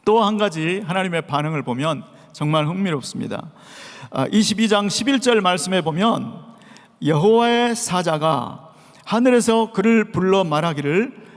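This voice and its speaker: A man preaching a Sunday sermon as pastor, posing rhetorical questions and acting out shouted calls. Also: high voice. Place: church sanctuary. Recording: long reverb of a large church hall.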